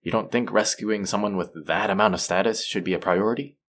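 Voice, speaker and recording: A man playing a manipulative, possessive supervillain in a roleplay audio drama, speaking in a measured, condescending yet coaxing and protective way. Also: fairly low pitch, a bit bright. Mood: stern, persuasive.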